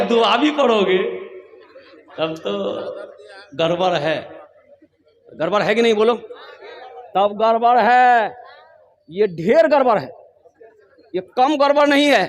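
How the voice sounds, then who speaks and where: A very high, ringing male voice delivers a sermon in with a lilt, taking his time over every phrase. He repeats lines and calls for answers from the crowd. The sound carries a long hall reverb. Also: a bit bright. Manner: calls out to the crowd, drawn-out repetitions. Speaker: preacher. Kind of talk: sermon at a mosque gathering. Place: mosque gathering hall.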